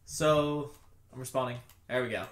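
A man's voice: mid-range voice, moderate pace. A young man chatting casually as he plays a co-op video game, joking and swearing freely. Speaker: gamer in co-op play. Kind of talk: casual gaming chat. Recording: roomy, echoey voice recording.

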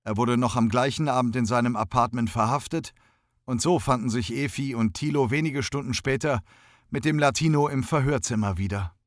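A man reading an audiobook in a steady, even scripted narration on a close studio mic. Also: medium pitch, fairly quick, dry recording.

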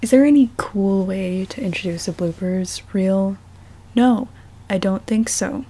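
A young woman speaking softly and unhurriedly, as an amateur reader of her own fiction. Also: mid-range voice, a little slow, a little hiss or hum. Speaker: fan fiction author and podfic reader. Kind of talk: audiobook-style story narration, then casual self-conscious chat.

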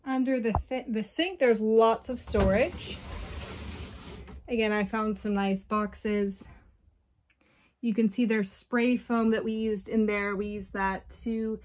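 A woman giving an unhurried walkthrough tour of her camper, plainly pointing out features one by one, recorded on a handheld phone inside the trailer. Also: fairly high pitch, fairly even intonation, slight background noise. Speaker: owner giving a home tour.

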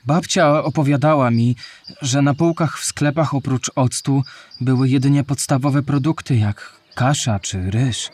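A man acts out an inquisitive young male character in a children's audio play. He sounds naive and curious, speaking at a medium pitch in scripted dialogue. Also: measured pace, darkish tone, close to an everyday voice. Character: curious young male listener asking about history.

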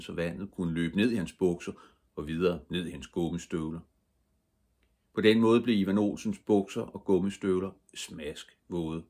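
Older male storyteller, deep and husky, bedtime read-aloud. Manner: lively storytelling with voiced characters. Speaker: audiobook reader.

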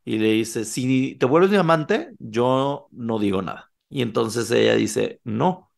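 A man's voice: mid-range voice, slow pace, vocal fry. A man, a podcast co-host casually telling a horror legend and acting out the quoted lines. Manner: animated, acts out quoted lines.

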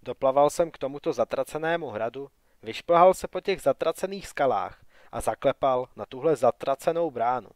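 A man's voice: medium pitch, darkish tone, no echo, clean studio sound, natural voice. A man reading a wry, grumbling young wanderer. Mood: sardonic. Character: wry wet young male wanderer, sardonic.

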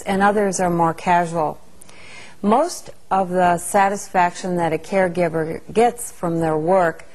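A woman with a somewhat low voice narrates a training lesson in a calm, measured way, like a scripted instructional video. The audio is poor.

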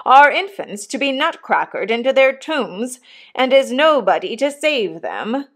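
A woman voicing an exasperated middle-aged gentleman in a storybook, a helpless father exclaiming in despair. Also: high-pitched, big pitch swings, measured pace, pitched above the performer's own voice, full character voice. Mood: desperate.

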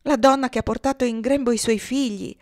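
A woman's voice: a little high, steady tone, a little fast, darkish tone, no room sound, clean studio sound, voice pushed up, close to an everyday voice. A woman voicing a frightened young woman who pleads urgently in an audiobook reading. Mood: desperate.

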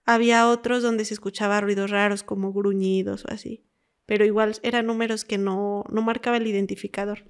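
A woman's voice: medium pitch, a little fast, clear, resonant tone. A young Mexican woman, a former emergency call operator, telling stories in a conversational podcast interview, acting out callers' frightened lines as she goes. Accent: Mexican Spanish. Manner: animated storyteller, quotes callers with dramatic whispers and pleas. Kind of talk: conversational storytelling.

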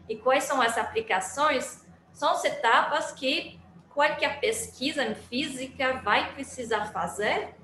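A woman with a Quebec French accent gives a halting academic talk over a laptop microphone, full of fillers and restarts. Her voice sits a little high. The room is echoey, with faint background ambience. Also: a bit bright, a little hiss or hum. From Montreal, Canada. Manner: hesitant, many fillers and restarts. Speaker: guest speaker, engineering physicist. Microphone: laptop mic on a video call.

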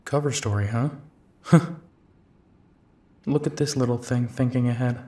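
A man plays a weary werewolf detective in an audio drama, teasing and intimate. The pace is slow and unhurried, and the sound is close and dry. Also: mid-range voice, dark tone, no room sound, lightly acted. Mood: amused teasing. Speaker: audio roleplay actor. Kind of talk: intimate detective roleplay acting.

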